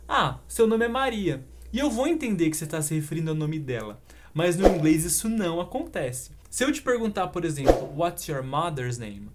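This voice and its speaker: High-voiced Brazilian man teaching English. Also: slight background noise. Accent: Brazilian Portuguese. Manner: animated explaining, slows down for English examples. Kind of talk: online English lesson.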